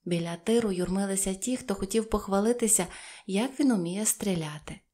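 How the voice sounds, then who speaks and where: Woman audiobook narrator, gentle children's storytelling. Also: medium pitch, a little fast. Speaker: audiobook reader.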